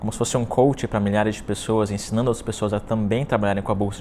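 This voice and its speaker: A man's fairly low-pitched voice, very fast and fairly even in intonation. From southern Brazil, Porto Alegre (Rio Grande do Sul). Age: 20s. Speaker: day trader and trading coach. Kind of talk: personal story monologue. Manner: casual, with fillers and self-corrections.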